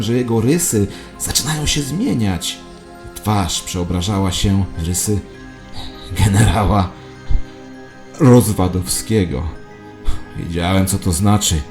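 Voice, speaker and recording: A man's voice: on the low side, gravelly, a little mellow. A man playing a paranoid, self-important conspiracy believer, telling his saga in a dramatic, confiding way as satirical audio drama narration. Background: music.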